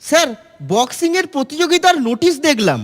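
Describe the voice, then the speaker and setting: A man's voice: very high voice, big pitch swings, fast, fairly bright tone, in a large hall, heavily acted. A man voicing a sensible, wary schoolboy in a children's cartoon, with an earnest delivery. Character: sensible, wary schoolboy, friend of a smaller boy. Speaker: cartoon voice actor. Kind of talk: Bengali children's cartoon dialogue.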